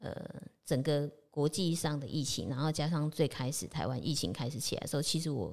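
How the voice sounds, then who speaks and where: In a very clean recording with a silent background, a woman with a very deep, low pitch and a dark, mellow tone talks at a fairly quick pace with vocal fry and ordinary pitch variation. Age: 50s. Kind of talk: interview.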